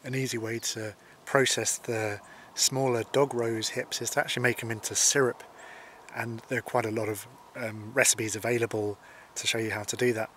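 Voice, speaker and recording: Calm, flat-voiced man teaching foraging outdoors. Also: medium pitch. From Scotland. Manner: calm, explanatory, unhurried. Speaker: foraging instructor. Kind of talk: outdoor foraging walk-through to camera. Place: outdoors by hedges and a field. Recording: faint outdoor noise.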